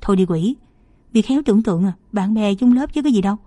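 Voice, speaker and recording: A woman's voice: medium pitch, quick pace, dark tone, no echo, studio quality, close to an everyday voice. A woman reading the part of a shy young female medical student who brushes off teasing. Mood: defensive.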